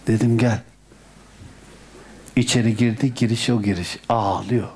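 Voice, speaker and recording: A man, a Sufi sheikh, giving an unhurried religious talk with storytelling that often sinks to a soft murmur. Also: lowish voice, steady tone, a little hiss or hum.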